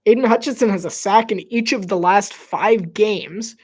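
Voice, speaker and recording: A man giving casual live play-by-play commentary, chatty and rambling, breaking into laughter and dropping to soft whispered asides between plays. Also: high voice, normal speed, husky.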